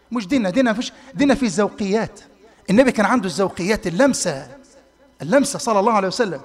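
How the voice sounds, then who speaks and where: A male preacher with an Egyptian accent delivers a Friday sermon at a brisk pace, his voice pitched very high. He swings between loud, emphatic peaks and quiet asides. The sound carries a long mosque-hall reverb from a live stream. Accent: Egyptian Arabic.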